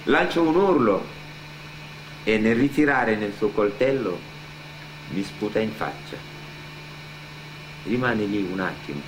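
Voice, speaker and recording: Middle aged guy from senegal, low voice, telling his story radio theatre style in short phrases, big humming noise on it. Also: animated, slow, long pauses, poor audio. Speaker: actor and cultural mediator. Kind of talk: first-person testimony told on stage in radio theatre. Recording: loud mains hum and noise.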